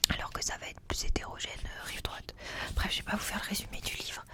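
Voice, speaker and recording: A young adult woman chats informally about books in a soft library whisper, ASMR style, rambling with youthful slang. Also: quick pace. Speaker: ASMR book vlogger. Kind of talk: ASMR book haul chat.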